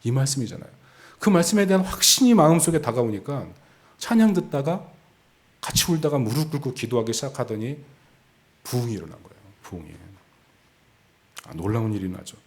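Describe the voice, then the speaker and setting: A man's voice: medium pitch, very animated, fairly quick, long pauses. A male pastor preaching a sermon, telling his own story and acting out the voices of people in it with a self-mocking laugh. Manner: storytelling, acts out quoted voices, laughs at himself. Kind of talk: sermon with personal testimony.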